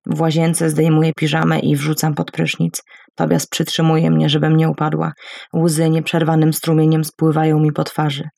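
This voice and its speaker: Low, gravelly woman narrating. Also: monotone, moderate pace, mellow, dry recording, clean studio sound. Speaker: audiobook narrator. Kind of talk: first-person literary narration.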